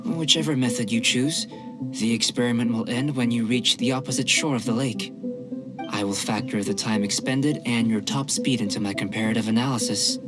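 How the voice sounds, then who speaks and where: An actor playing a calm, curious young male alchemist in a video game, speaking formally and precisely. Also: mid-range voice, moderate pace, close to an everyday voice. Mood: composed. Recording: game music behind the voice.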